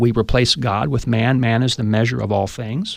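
At a moderate pace, a man speaks in a normal speaking voice at a medium pitch, on a very clean recording with a silent background. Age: 50s. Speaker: pastor and author. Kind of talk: interview.

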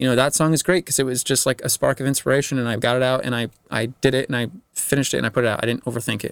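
Speaking at a very fast pace, a man with an American accent keeps a medium pitch and fairly even intonation. The sound is dry and close, with no echo. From Vermont, US. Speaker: electronic music producer and musician. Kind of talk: interview. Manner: halting, many fillers and repetitions.

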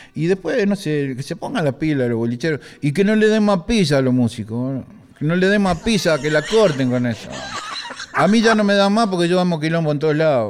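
Noticeable background noise beneath a fairly high male voice, pitch swinging very widely. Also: fairly quick pace. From Uruguay, Montevideo. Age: 60s. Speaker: bassist and singer. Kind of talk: casual chat. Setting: radio auditorium.

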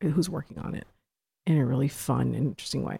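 Very fast and in a very deep, low pitch, a woman with an American accent speaks in a dark, mellow tone with vocal fry, the sound dry and close with no echo. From Chicago. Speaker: comic book writer. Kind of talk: interview.

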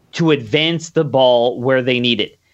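A man at a moderate pace, animated tone and ordinary pitch variation, with a quiet background. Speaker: political commentator. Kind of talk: casual political discussion.

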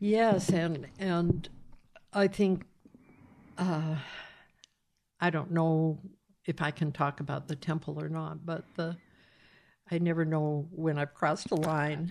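A woman with a fairly low voice speaks at a very slow pace, leaving long, frequent pauses, in a very clean recording with a silent background. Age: 80s+. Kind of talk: interview. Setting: in a home, across a table.

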